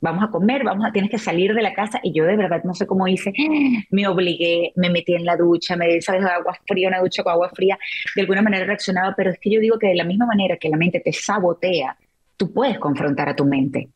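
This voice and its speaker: A woman's voice: on the low side, quick pace, husky. A middle-aged woman, an interview guest, telling a personal story in a candid, reflective way with frequent restarts. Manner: candid, reflective, emotional retelling with many restarts. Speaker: interview guest, journalist and author.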